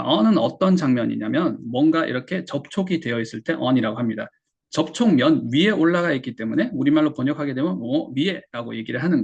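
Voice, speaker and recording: A Korean man teaching English pronunciation, patiently explaining and slowly repeating words for learners. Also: medium pitch, gravelly, slightly rough. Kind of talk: explaining lesson.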